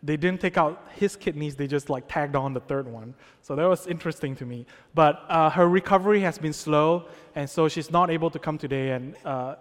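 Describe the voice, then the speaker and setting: Casual preacher from Malaysia, slightly high. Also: male voice. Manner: conversational, with many fillers and check-ins. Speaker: pastor. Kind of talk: sermon. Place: church sanctuary. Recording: long hall reverb.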